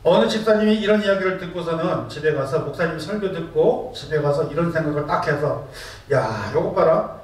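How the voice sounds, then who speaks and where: A man's voice: fairly high pitch, quick pace, few pauses, a little hiss or hum. A male pastor preaching a sermon, firing rhetorical questions at the congregation and telling stories with animation. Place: church sanctuary. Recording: echoey church hall, distant mic.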